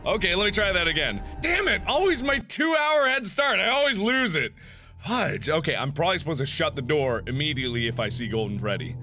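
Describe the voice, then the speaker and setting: A man playing a horror game with excitable let's-play commentary, jumpy and dramatic, swearing and swinging from hushed muttering to screaming. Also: a little high, a little fast, soft background music.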